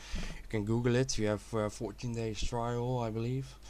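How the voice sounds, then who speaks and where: With a Dutch accent, a man speaks at a moderate pace. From Netherlands. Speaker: video tutorial maker. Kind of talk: tutorial. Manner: halting.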